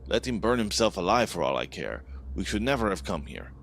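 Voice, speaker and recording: A man playing a stubborn older companion in a horror audio story, gruff and uneasy, with a low voice. He is protective and will not be talked around. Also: sing-song, a little fast, a bit bright, slight background noise, heavily acted.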